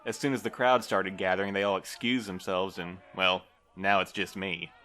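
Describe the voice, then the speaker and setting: A man's voice: sits low, steady tone, normal speed, pushed and bright. A man playing a flustered, wordy office manager in an audio drama, formal and bureaucratic in manner. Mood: exasperated, formal.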